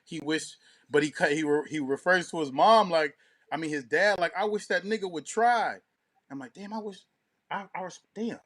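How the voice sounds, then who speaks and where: A man's voice: on the high side, normal speed, a bit bright. A man co-hosting an online show, chatting casually with heavy slang.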